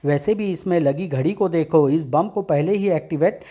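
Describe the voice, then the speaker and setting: A man's voice: a little high, normal speed, mellow, natural voice. A gloating invisible supervillain from a narrated comic story, voiced by a man. He brags about his schemes and threatens with plain menace. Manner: boastful, menacing.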